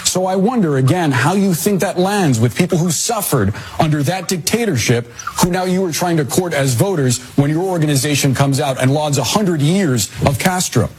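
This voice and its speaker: A man's voice: on the high side, animated, poor audio. Firm male TV anchor, faint noise. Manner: firm, measured, pointed. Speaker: television news anchor. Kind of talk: live TV interview questioning. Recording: TV broadcast clip with faint noise.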